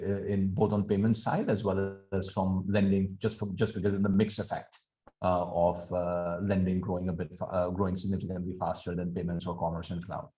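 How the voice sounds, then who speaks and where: A man answering analyst questions on an earnings call as a company executive, explaining in a measured, hesitant way. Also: on the low side, warm tone.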